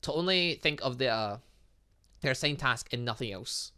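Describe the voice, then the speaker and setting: Man reading as a lecturing scientist father, bright-voiced. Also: mid-range voice, animated, normal speed, clear, resonant tone. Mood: explanatory. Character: scientist father of a robot girl, explaining patiently. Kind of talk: reading visual novel dialogue aloud.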